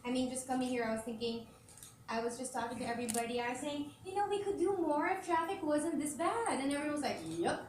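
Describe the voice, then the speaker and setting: At a press conference in a large event hall, a radio host and brand ambassador talks candidly and conversationally, laughing easily. Her voice is high and she speaks fast, picked up by a distant mic in an echoey hall full of ambient noise.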